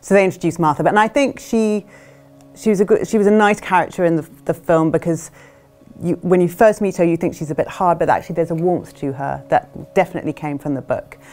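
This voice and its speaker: Low, mellow woman author. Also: brisk, faint music behind. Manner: thoughtful, with frequent restarts and soft "um"s. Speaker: author discussing her novel's film adaptation. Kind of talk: reflective interview talk. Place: studio with plain backdrop.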